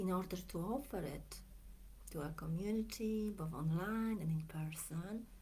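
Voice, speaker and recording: A woman's medium-pitched, somewhat breathy voice in a Polish accent, with ordinary pitch variation, a very slow pace and audible room echo. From Poland. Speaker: life coach. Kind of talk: social media talk.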